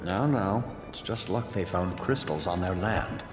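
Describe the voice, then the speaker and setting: A man's voice: deep voice, measured pace. A man playing a scheming, self-assured aristocrat in a video game, suave and insistent. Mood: pompous, confident. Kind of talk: video game character dialogue. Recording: echoey room, music behind.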